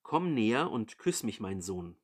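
A man voicing an old blind father who gives a solemn, measured blessing. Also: fairly low pitch, very animated, slightly rough, exaggerated voice.

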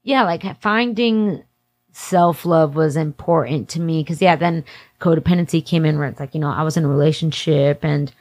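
A woman in her late twenties with a slightly low voice, talking candidly as a guest in an interview. Her phrasing is loose and slangy, peppered with "like", as in a chat between friends. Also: normal speed, darkish tone. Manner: informal slang-filled talk, heavy use of "like". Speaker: interview guest working in music industry event production. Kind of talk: casual candid conversation.

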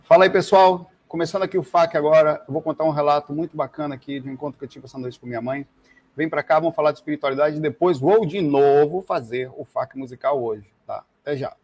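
Brief: middle-aged man, husky and a bit high, animated casual storyteller. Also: quick pace. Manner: animated, emotional retelling with frequent fillers. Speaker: vlogger sharing a spiritual experience.

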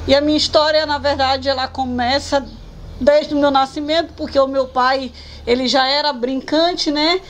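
A woman's voice: high-pitched, fairly even intonation, normal speed. A woman, a cultural agent speaking earnestly in an interview. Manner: earnest, with frequent "né". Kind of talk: interview testimony.

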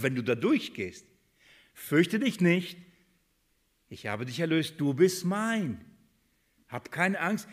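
Preacher, male, a slightly high voice, sermon delivery, reads verses slowly with heavy stress, fires rhetorical questions at the room. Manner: reads scripture aloud, slowing and stressing key words; asks the congregation rhetorical questions.

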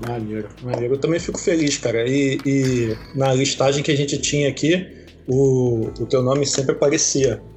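A man's voice: medium pitch, moderate pace, a little mellow, soft background music. A man hosting a podcast, greeting listeners informally and asking his guest short, friendly questions. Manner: friendly, informal, brief prompts. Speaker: podcast host. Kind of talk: casual podcast interview.

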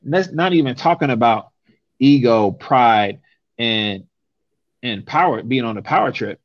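A man's voice: medium pitch, expressive, measured pace, dry recording. Emphatic man, muffled dry sound. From San Francisco. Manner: emphatic, rhetorical, repeats "right?". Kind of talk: casual conversation.

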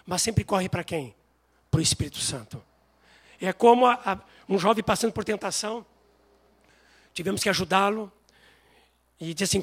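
A man preaching a sermon, telling stories with animated voices. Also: sits high, slightly rough. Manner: animated storytelling, acts out voices.

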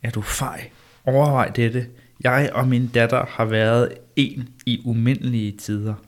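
A man reading the part of the old prophet Elijah in a measured, insistent way, during an amateur read-through. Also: medium pitch, flat delivery, lightly acted. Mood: solemn. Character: old male prophet Elijah, calm and solemn.

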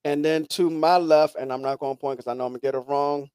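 A man with a slightly high voice hosts casual sports talk. He is informal and tends to repeat his phrases. The sound is dry, with no room echo. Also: fairly even intonation, quick pace, a little mellow, clear, resonant tone. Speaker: podcast host.

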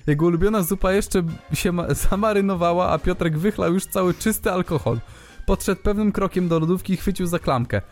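A man's voice: sits high, a little fast, soft background music. A man co-hosting a podcast, reading listener emails aloud in a joking way and breaking into laughter as he goes. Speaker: podcast co-host.

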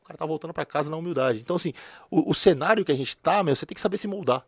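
A man races through his stories as a former police officer, full of slang and repeated filler words. His voice is medium in pitch and recorded close and dry, with no room sound. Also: expressive, very fast, slightly rough, no echo. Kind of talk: casual podcast conversation.

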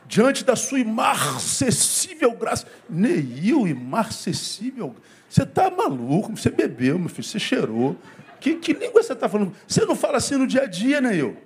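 A male pastor from Brazil delivers a sermon in a loose, joking, conversational way, poking fun at showy prayers. His voice sits high and sounds husky. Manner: humorous, mimics worshippers' pompous prayers in a slangy conversational preaching.

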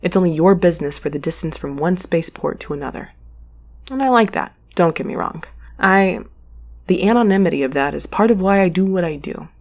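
An actress playing a wry, restless space mail courier in an audio drama, muttering and sardonic with a conversational delivery. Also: female voice, fairly low pitch, animated, a little fast. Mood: pensive, curious. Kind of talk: audio drama acting with first-person narration.

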